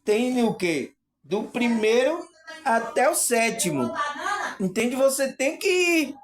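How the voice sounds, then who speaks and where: A man's voice: very high-pitched, very animated, takes it slowly. A man talking casually and earnestly to his viewers about spiritual perception, often checking in with "you know?" and laughing. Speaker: spiritual video host.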